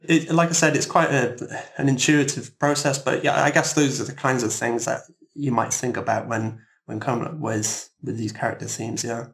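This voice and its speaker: A man speaking casually as a composer guest in a roundtable interview, explaining things in a halting, thoughtful, rambling way. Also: mid-range voice, fairly even intonation, fairly bright tone.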